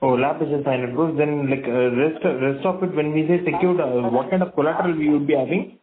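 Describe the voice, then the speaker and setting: A man's voice: on the high side, brisk, crowd noise. A man, an analyst on a conference call, heard over a phone line and asking questions hesitantly, full of "like, you know" fillers.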